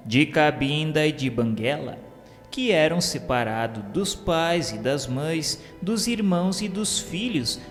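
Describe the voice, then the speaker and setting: Slow, solemn Brazilian male narrator in reverb. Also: a little high. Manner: formal, measured literary diction. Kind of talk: solemn scripted narration of a radio drama. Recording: long reverb, music under the voice.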